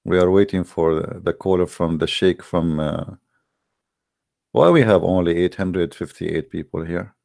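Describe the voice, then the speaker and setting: Deep-voiced, gravelly Arab-accented man hosting. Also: measured pace, a little mellow. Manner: joking, sarcastic, teasing. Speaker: host of a live debate broadcast. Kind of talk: casual rambling live-stream talk.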